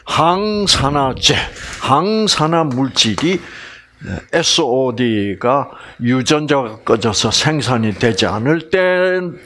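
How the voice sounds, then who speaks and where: A man's voice: medium pitch, expressive, takes it slowly, fairly bright tone. A man preaching a sermon-style health lecture, quizzing the congregation and joking with dialect words. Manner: quizzes the audience with questions and plays with dialect words.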